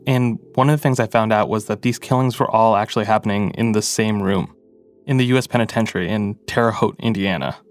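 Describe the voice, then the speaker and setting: A man's voice: fairly low pitch, fairly quick, faint music behind. A man, a podcast producer, narrating a story in a casual, reflective way with frequent fillers.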